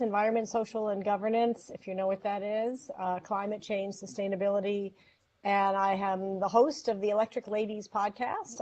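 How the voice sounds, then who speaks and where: Upbeat woman panelist on a video call, mid pitch, dull lo-fi audio. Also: darkish tone. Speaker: guest, podcast host and ESG consultant. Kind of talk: casual panel chat.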